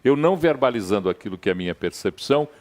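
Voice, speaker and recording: A man's voice: mid-range voice, lively intonation, very fast, darkish tone. A man co-hosting a radio talk show, asking long questions and thinking aloud about the topic. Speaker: radio co-host.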